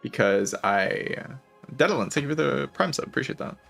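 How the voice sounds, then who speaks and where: A man livestreaming a game and chatting casually, with heavy vocal fry, a low-energy hesitant delivery and a voice strained by a lingering cough. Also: expressive, normal speed, fairly bright tone, soft background music. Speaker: game streamer. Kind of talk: casual livestream chat while playing a game.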